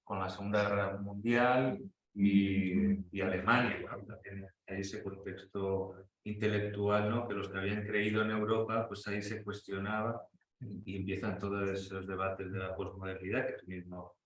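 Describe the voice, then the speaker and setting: A Spanish-accented man moderating a panel debate, asking measured questions broken by hesitant fillers. His voice sits low and stays quite flat. The hall around him is echoey.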